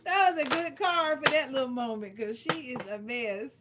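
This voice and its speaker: A high-pitched woman talks at a moderate pace while hosting a casual tarot livestream. She doles out playful, no-nonsense advice and repeats phrases for emphasis. Clicks and clear background noise run through the recording.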